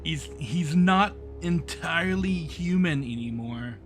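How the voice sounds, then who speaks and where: A man hosting casual game-lore commentary in a bright, fairly high voice. He explains as he goes, with faint music behind him. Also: lively intonation, takes it slowly.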